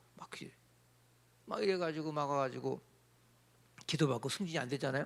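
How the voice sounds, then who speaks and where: A man talks at a very fast pace in an animated tone with vocal fry. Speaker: pastor. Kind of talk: sermon-style lecture. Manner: casual.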